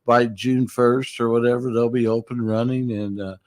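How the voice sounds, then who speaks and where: A man speaking as a mayor in a casual radio interview, folksy and a little halting. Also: medium pitch, fairly even intonation. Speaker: town mayor as interview guest.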